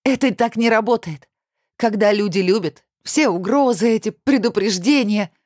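A furious young ex-fiancée whose voice rings high and sharp as she shouts her hurt, stubborn and proud, put on by a male audiobook reader. Her tone stays hot with indignation and near tears, a storybook drama. The dry, close recording carries no room at all. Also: lively intonation, quick pace, no room sound. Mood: indignant. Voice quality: ringing raised voice. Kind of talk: audiobook character reading.

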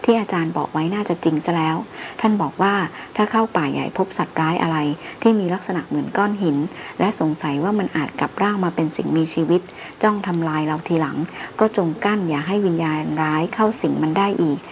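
A woman's voice: low-pitched, brisk, a little hiss or hum, rough recording. A woman reading the lines of an old male jungle tracker who is superstitious, earnest and pleading.

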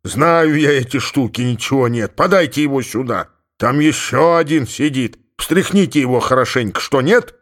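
A man reading an audiobook who voices a gruff, suspicious middle-aged Cossack father, grumbling and exclaiming as he talks to himself. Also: medium pitch, lively intonation, normal speed, natural voice. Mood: indignant.

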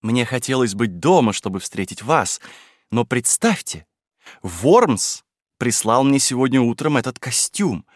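A man's voice: mid-range voice, measured pace, dry recording, clean studio sound. A man reading aloud and voicing a chattering, flighty young society wife of twenty-one who bosses a boy around. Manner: chattering, excitable, bossy.

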